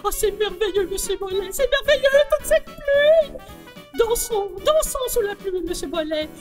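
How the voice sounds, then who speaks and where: A woman doing a squeaky sweet mushroom lady. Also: expressive, moderate pace, soft background music. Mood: gushing. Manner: gushing, sing-song.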